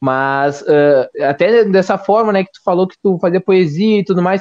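A man speaks with a southern Brazilian accent. His pace is moderate. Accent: gaúcho Brazilian Portuguese. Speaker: podcast host. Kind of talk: casual interview on live stream.

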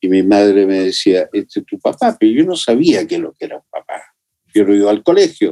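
A man's medium-pitched voice of dark, mellow tone, with ordinary pitch variation, a moderate pace and a dry, close sound with no echo. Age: 80s+. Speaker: photographer. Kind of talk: interview.

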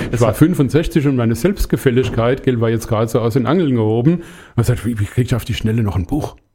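A man with a Hessian accent at a medium pitch, very fast and somewhat breathy, with a dark, mellow tone and ordinary pitch variation. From Hesse, Main-Kinzig district. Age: 60s. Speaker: life coach. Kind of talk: radio interview. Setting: radio studio.

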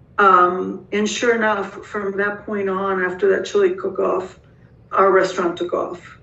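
Over noticeable background noise, a woman speaks fairly slowly at a medium pitch in a flat monotone. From Argentina, Buenos Aires. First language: Spanish. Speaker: restaurant owner and former bilingual teacher. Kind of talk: interview. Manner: hesitant, many fillers.

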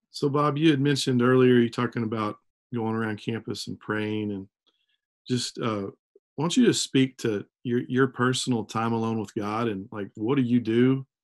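With a plain, everyday voice, a man speaks at a medium pitch and a moderate pace with fairly even intonation. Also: dry, close sound with no echo. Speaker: campus ministry staff, co-host. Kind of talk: casual interview. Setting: video call.

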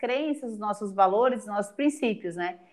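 A woman's plain, everyday voice, fairly high in pitch, with ordinary pitch variation. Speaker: podcast co-host. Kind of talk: casual chat. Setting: video call.

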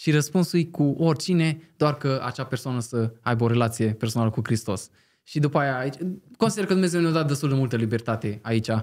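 A normal speaking voice moves at a fairly quick pace with lively intonation, on a very clean recording with a silent background. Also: man, medium pitch for a man. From Romania, Oradea area (Crișana). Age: 20s. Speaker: content creator. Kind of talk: casual podcast conversation.

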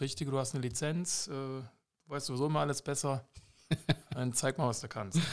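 A man is heard talking on a very clean recording with a silent background. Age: 40s. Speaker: amateur football coach. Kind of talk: casual interview. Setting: home studio. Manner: hesitant, many filler sounds.

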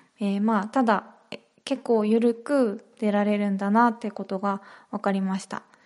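A woman's fairly slow, monotone voice with flat intonation at a medium pitch, over a quiet background. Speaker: podcast host. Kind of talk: solo monologue podcast. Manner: many filler hesitations.

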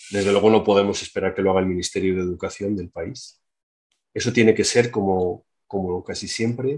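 A man speaks in a plain, everyday voice, fairly low in pitch, with ordinary pitch variation. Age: 50s. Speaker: literature professor. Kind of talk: interview.

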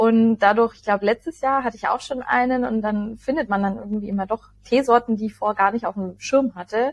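A woman with an ordinary speaking voice talks at a fairly high pitch and a fairly quick pace with hardly any pauses, her intonation fairly even but her loudness swinging widely, in a dry, close sound with no echo. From Franconia, Germany (near Nuremberg). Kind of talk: casual chat.

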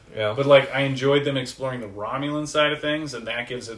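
A man speaks very fast at a medium pitch, with noticeable noise in the background. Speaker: guest host. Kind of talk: casual chat.

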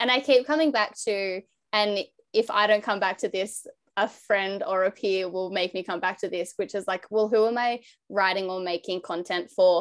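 A woman with an Australian accent speaks at a moderate pace with ordinary pitch variation. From New South Wales, Australia. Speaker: sports commentator. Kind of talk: casual chat.

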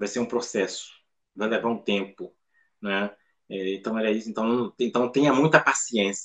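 A man speaks at a moderate pace in a normal speaking voice, medium in pitch with fairly even intonation. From Brazil. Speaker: missionary and theology teacher. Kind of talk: interview.

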